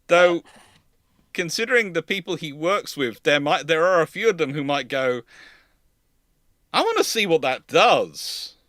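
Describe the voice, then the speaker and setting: Man, stream host, casual rambling chat, forceful bright tone, close dry sound. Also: a little high, animated, unhurried, pauses often, no room sound.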